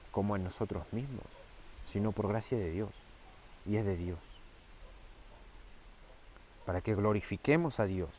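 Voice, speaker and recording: A man preaching a fervent sermon, repeating key phrases and slowing down and rising for emphasis. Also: lowish voice, darkish tone, a little hiss or hum.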